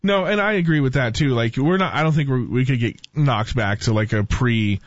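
A man thinking out loud in a casual radio discussion, hedging with "like" and "I mean". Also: medium pitch, fairly quick, dry recording. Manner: musing, many "like" fillers. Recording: dull lo-fi radio audio.

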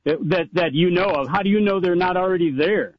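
A man's voice: high-pitched, a little fast, dry recording. A man hosting a casual talk show, talking over his co-hosts and repeating himself to stall. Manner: talks over others, repeats "wait a minute". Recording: dull lo-fi sound.

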